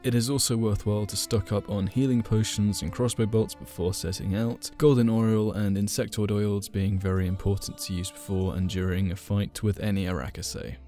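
A man's voice: lowish voice, steady tone, moderate pace, few pauses, mellow. A man narrating a video game lore explainer in a casual way, adding dry joking asides. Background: faint game soundtrack music.

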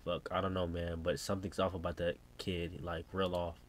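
A man's voice: sits low, little pitch movement, moderate pace, slight background noise, close to an everyday voice. An American man voicing an uneasy gas station worker in a horror game, hesitant and rambling as he calls for help. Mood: spooked, rambling. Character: uneasy, spooked young male gas station worker calling emergency line. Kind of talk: reading game subtitles as dialogue.

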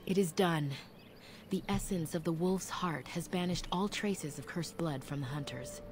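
An actress playing a solemn female elf keeper in a fantasy video game, speaking in a measured, formal, grave way. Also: fairly low pitch, slight background noise, lightly acted. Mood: solemn, mournful. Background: game music.

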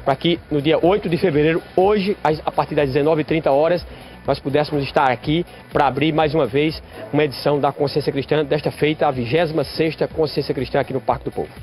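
A man in his forties, a pastor and event organizer, speaking in a live TV interview at an outdoor venue in a measured, explanatory and inviting way. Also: a little high, fairly even intonation, darkish tone, faint music behind. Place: outdoor event venue under a large tent roof. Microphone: handheld reporter microphone.

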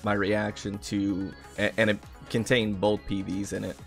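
Low voiced guy doing a casual game stream, chatting to viewers, repeats himself, music behind. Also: flat delivery, moderate pace, vocal fry. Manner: repeats phrases, chatty and informal. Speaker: live streamer. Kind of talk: casual gaming livestream chat, greeting viewers. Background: background music.

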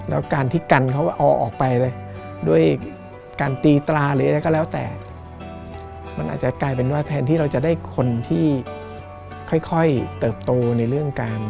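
A middle-aged cinema owner from Thailand gives a reflective interview indoors, in front of the screen of a small cinema. His fairly high, gravelly voice moves thoughtfully and unhurriedly, pausing to find words, with fillers and restarts.

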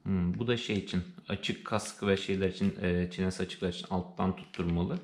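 A man with a Turkish accent presents an unboxing in a casual, unscripted way. His voice is on the low side and clearly gravelly, and he hesitates as he thinks aloud. The sound is roomy and echoey, as in a living room. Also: steady tone, fairly quick, a little hiss or hum.

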